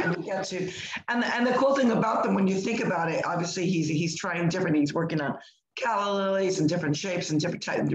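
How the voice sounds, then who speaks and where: An older woman with a hoarse voice co-hosting a live podcast, chatting in a rambling way with lots of restarts, over a video call from home. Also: lowish voice, echoey room, poor audio. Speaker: podcast co-host. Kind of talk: casual live podcast chat.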